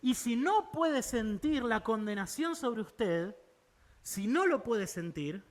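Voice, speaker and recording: A man's voice: very high-pitched, expressive, takes it slowly. A man preaching a sermon in Argentine Spanish, earnest and pleading, often checking in with his listeners. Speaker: pastor.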